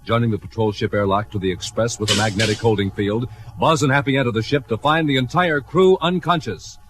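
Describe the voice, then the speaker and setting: Delivering the narration of a vintage radio adventure serial, this male announcer sounds grand and theatrical, speaking at a fairly quick pace with a medium pitch. Faint music plays on the old broadcast, along with background noise.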